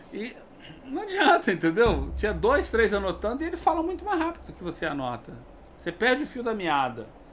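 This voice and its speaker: A man talks at a fairly quick pace. Noticeable background noise runs under the recording. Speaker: spiritist study group leader. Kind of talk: online study group discussion.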